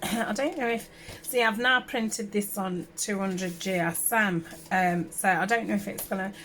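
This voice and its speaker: A sounding woman with a gravelly, slightly hoarse voice from a summer cold talks through a crafting project at her table. She rambles in a friendly, unpolished way, full of fillers and self-corrections, with a faint hiss under the home recording. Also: medium pitch, measured pace, fairly bright tone. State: sore throat from a summer cold. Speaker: craft channel host. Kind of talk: casual crafting tutorial.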